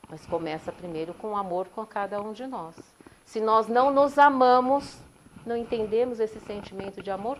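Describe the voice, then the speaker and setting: A woman's voice: on the high side, a little hiss or hum, rough recording. A middle-aged woman giving a sermon, telling a little story and asking the listeners questions. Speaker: spiritist talk speaker.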